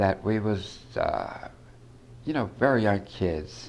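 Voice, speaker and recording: Speaking at a very slow pace, a man with a rural Central Texas accent uses a fairly low pitch. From Texas Hill Country. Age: 80s+. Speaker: oral history interviewee. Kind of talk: oral history interview. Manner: halting.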